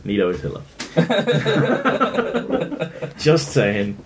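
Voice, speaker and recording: A man's voice: on the low side, expressive, slow, darkish tone, slight background noise. A man chatting casually during a tabletop game, jokey and sweary in his manner. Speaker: board game player.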